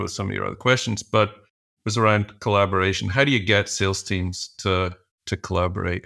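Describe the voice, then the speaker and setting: A man's voice: low voice, vocal fry, a bit bright. A middle-aged man answering interview questions as a guest, thinking aloud with frequent restarts and fillers. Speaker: podcast guest, executive coach.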